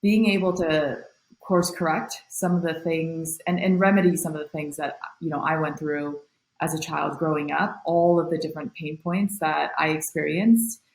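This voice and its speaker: A woman's voice: low voice, steady tone, moderate pace, roomy sound, poor audio. A young woman from Taiwan, a nonprofit founder, talking reflectively as a podcast guest with many fillers. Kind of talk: podcast interview.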